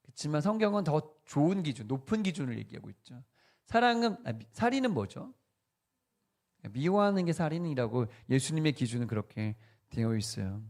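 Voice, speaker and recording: A man's voice: a little high, darkish tone. A man preaching as pastor in a conversational sermon, asking the congregation questions and adding light humor.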